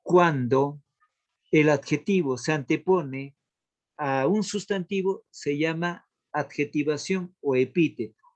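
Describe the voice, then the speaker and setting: A man teaching a literature class, explaining slowly and repeating key terms so students can take notes. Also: fairly high pitch. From Latin America. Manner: slow, repeats key terms for note-taking. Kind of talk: classroom lesson.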